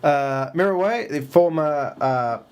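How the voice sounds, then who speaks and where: A man's voice: a little high, expressive, slow pace, slight background noise. A man hosting a casual live election stream, rambling through results with fillers and restarts.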